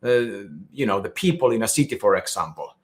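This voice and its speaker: A man's voice: fairly low pitch, expressive, brisk. A man from Finland with a Finnish accent, giving a technical conference presentation in an explanatory way with frequent restarts. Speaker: conference speaker.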